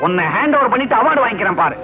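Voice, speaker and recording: Brief: bumbling comic hero, theatrical, swoops all over, stiff English asides. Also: male voice, very high-pitched, expressive, racing. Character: bumbling young man, fussy and excitable. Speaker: comic hero posing as a London visitor. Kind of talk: 1980s Tamil film comedy acting. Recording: dull lo-fi old film soundtrack with music.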